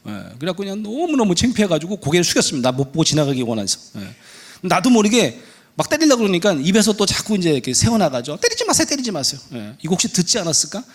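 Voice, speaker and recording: This is a middle-aged male pastor delivering a sermon in a church. His voice sits somewhat high and moves all over the place. He tells a story vividly and slips into voices for the people in it. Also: quick pace. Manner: animated storytelling, acting out dialogue in voices. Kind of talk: sermon with acted-out stories. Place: church sanctuary.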